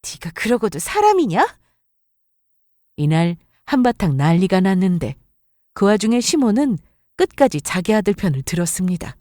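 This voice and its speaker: A woman's voice: on the low side, lively intonation, moderate pace, mellow, no echo, studio quality. A woman narrating a first-person story for a story radio channel, voicing her own lines expressively.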